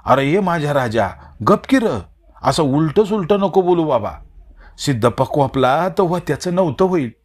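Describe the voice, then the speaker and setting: A man's voice: medium pitch, lively intonation, moderate pace, lightly acted. A male narrator voicing a worried, protective old village mother who talks in rustic speech. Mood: pleading.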